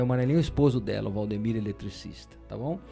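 There is faint music in the background. A man talks with ordinary pitch variation. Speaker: radio host. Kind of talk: radio show hosting, announcements. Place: studio. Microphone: studio mic.

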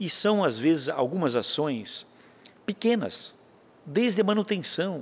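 A man talks with very wide pitch swings. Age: 50s. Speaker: city councillor; elected city councillor. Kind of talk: interview. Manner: halting, with repetitions and fillers. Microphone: podium.

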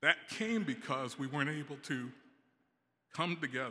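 Against a quiet background, a man talks at a moderate pace in a fairly high voice with a bright, sharp tone and ordinary pitch variation. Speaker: theatre company artistic director and event host; event host. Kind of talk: event welcome and moderation. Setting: stage with audience at a podium. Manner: formal. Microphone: handheld.

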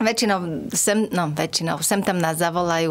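A woman's voice sits fairly low in pitch, with ordinary pitch variation. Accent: Hungarian. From Rimavská Sobota, southern Slovakia. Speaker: actress. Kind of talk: podcast interview answer. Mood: warm, relaxed, smiling. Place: studio. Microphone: studio mic.

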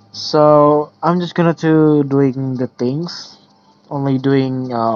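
Someone with a non-native accent talks at a very slow pace. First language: not English. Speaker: mobile game YouTuber. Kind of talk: casual gameplay commentary. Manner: halting, many fillers.

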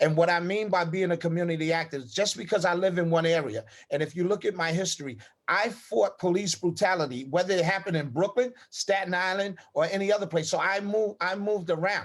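Here a man talks at a fairly quick pace with a New York accent. His pitch is high and varies in an ordinary way. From New York City (Harlem). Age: 50s. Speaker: city council candidate. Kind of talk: political debate. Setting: virtual town hall. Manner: halting, repeats words.

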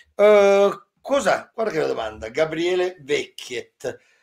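A man's normal speaking voice with lively intonation at a fairly slow pace, over a quiet background. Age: 40s. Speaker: philosophy teacher and online video host; philosophy teacher, online video host. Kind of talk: live-stream chat with guest. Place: home room. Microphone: video call.

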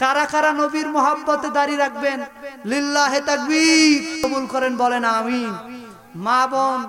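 A man speaks in an animated tone, with noticeable background noise and audible room echo around him. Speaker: Islamic preacher. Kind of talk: sermon. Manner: animated, exhorting the audience.

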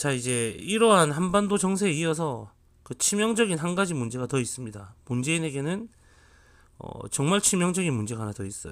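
A man talks at a fairly high pitch with very wide pitch swings. The recording is very clean, with a silent background. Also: fairly quick pace. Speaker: political commentary YouTuber. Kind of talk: political commentary monologue. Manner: frequent filler hesitations.

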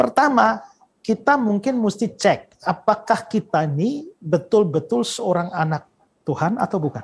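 At a fairly slow pace, a man speaks in a high pitch with very wide pitch swings. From Indonesia. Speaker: pastor. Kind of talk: testimony and Bible teaching interview. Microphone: webcam.

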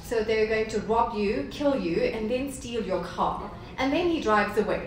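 A woman is speaking. There is light background noise and audible room echo. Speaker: speaker. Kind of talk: speech telling a personal story. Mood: warm, humorous. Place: hall. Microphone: podium.

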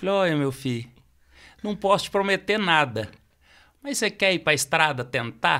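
A man with a high pitch, a bright, sharp tone, very wide pitch swings and long, frequent pauses against a quiet background. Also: moderate pace. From Brazil. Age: 30s. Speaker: country singer. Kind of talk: casual interview chat. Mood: reflective, warm. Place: studio. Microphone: studio mic.

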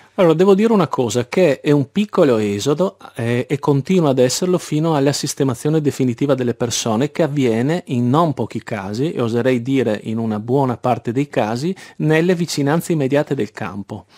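A dark, mellow tone moves at a fairly quick pace with lively intonation and hardly any pauses. The sound is dry and close with no echo, in a very clean recording with a silent background. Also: man, medium pitch for a man. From Muggia, near Trieste, Italy. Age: 40s. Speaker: historian. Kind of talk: radio interview. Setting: studio.

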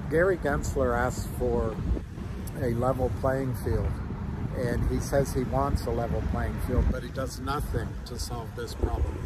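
Against loud background noise, a man talks at a fairly slow pace, his voice dry with no echo. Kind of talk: casual vlog chat. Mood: earnest, accusatory. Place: street. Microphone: phone near.

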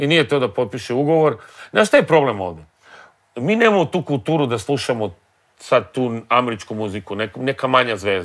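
Lively intonation carries this voice along at a fairly quick pace. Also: man, medium pitch for a man. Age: 40s. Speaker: DJ and party organizer. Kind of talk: casual chat. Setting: studio. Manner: animated.

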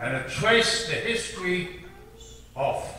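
The recording carries noticeable background noise and strong room echo. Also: man. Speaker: concert narrator. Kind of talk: anecdotal stage narration. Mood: warm, smiling. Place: stage.

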